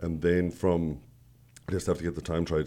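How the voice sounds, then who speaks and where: In an American accent, the speaker has a dark, mellow tone and monotone, flat intonation, captured on a very clean recording with a silent background. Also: man. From Texas. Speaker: restaurant manager. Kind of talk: radio interview. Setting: studio.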